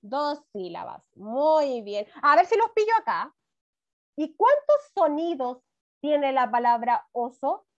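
A woman's voice: high voice, very animated, slow pace, darkish tone. A woman with a Chilean accent teaching a first-grade class online, affectionate and encouraging with her pupils. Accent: Chilean Spanish. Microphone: video call. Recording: dull lo-fi video call audio.

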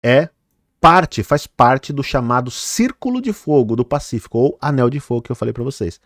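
A man's voice: medium pitch, lively intonation, normal speed, no room sound, clean studio sound. A man vlogging, casually commenting on footage and talking straight to his viewers with many fillers, sometimes tripping over hard names. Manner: chatty, fillers like "né" and "olha, gente".

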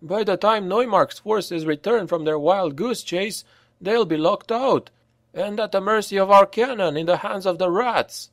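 Man voicing a blunt soldier, grim, raised pitch. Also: a little slow, no echo, studio quality. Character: grim male mercenary soldier.

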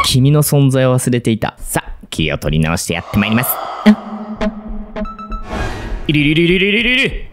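A man commenting on a horror game as he plays, muttering to himself and breaking into sudden yelps. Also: medium pitch. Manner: jumpy, talks to himself, sudden yelps and laughs. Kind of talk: let's play commentary.

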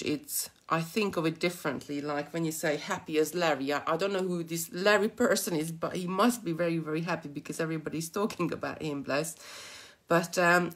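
A middle-aged Hungarian-accented woman with a notably low, deep voice walks viewers through a beading project. She chats freely and drifts into giggly asides as she works at a craft table. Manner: chatty, giggly, rambling asides while working. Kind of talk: live beading tutorial.

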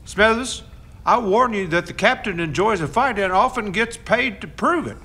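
A man's voice: high-pitched, expressive, moderate pace, pushed and bright, husky, heavily acted. An actor playing a salty, peacemaking riverboat crewman with a folksy, colourful way of talking in a radio drama. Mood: wry warning. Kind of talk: stage-like radio drama acting.

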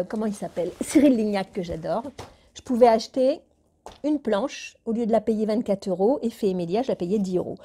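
A woman's voice: mid-range voice, dark tone. A woman vlogger chatting casually to her viewers in a rambling way, now and then talking to her cat. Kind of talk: casual chat to camera.

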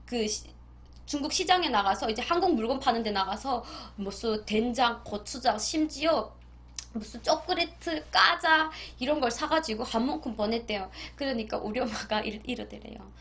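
A woman's voice: fairly high pitch, animated, normal speed, a bit bright. Chatty North Korean woman vlogger. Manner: chatty, laughs often, acts out quoted voices. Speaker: YouTuber. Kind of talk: casual storytelling vlog.

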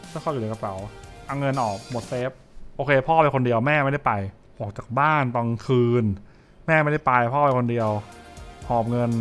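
A young adult man, giving casual live reaction commentary and repeating short phrases as he thinks aloud. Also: medium pitch. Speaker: streamer reacting to horror comics. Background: music.

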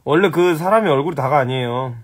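A man's voice: on the high side, animated, quick pace, husky. A young man hosting a casual live stream, answering viewer questions bluntly, teasing and swearing at them. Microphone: phone.

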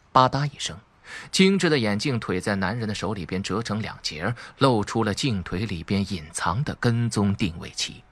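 Male suspense audiobook narrator: husky timbre, animated intonation, emphatic dramatic delivery. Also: on the low side.

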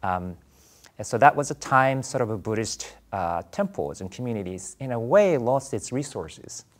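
A Buddhist priest in his forties from Japan, speaking with a Japanese accent, is a guest answering interview questions thoughtfully in a studio. His medium-pitched voice is sing-song at a moderate pace, with many fillers and restarts.

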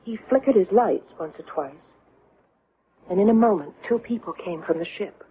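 An actress playing an earnest, troubled woman under hypnosis in a radio drama, speaking haltingly. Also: medium pitch, animated, breathy edge. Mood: trance-like recall. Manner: hesitant, halting. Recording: noisy, tinny old radio broadcast.

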